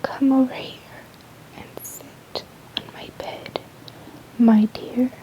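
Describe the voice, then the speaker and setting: A woman's voice: high-pitched, little pitch movement, takes it slowly, mellow, poor audio. A woman whispering the part of a cunning male wolf pretending to be a sick grandmother, sly and coaxing. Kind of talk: ASMR storybook reading.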